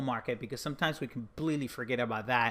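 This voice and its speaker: The speech comes at a very fast pace with a Spanish accent. Intonation stays fairly even. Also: man. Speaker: podcast host, marketing agency CEO. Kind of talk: interview.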